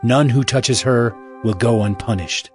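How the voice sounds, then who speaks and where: A man's voice: mid-range voice, a little slow. A man giving a dramatized scripture reading as narrator, in a solemn, fatherly, exhorting manner. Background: music.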